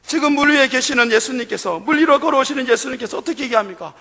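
Male pastor, sermon, gravelly edge, emphatic; reverberant church hall. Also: extremely high pitch, quick pace, sharp tone. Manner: preaching with rising, emphatic bursts. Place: church sanctuary.

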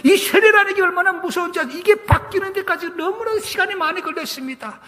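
A man delivers a testimony sermon, his voice very high and bright. He talks to the congregation emphatically and keeps putting rhetorical questions to them. His voice rings out with a long reverb, as in a large hall. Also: fast. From North Korea. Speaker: testimony speaker at a church.

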